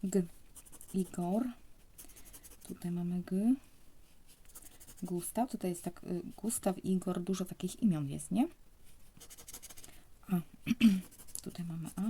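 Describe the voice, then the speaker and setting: A young woman from Poland speaking softly, often almost whispering, as she scratches lottery tickets and comments casually. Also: lowish voice, takes it slowly, pauses often, breathy edge.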